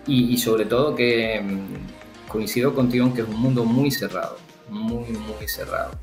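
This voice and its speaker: A man from the Canary Islands with a Canarian Spanish accent, a football agent answering interview questions in a thoughtful, halting way with many fillers. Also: medium pitch, steady tone. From Canary Islands, Spain. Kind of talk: interview guest, casual conversation. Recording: roomy echo with faint background music.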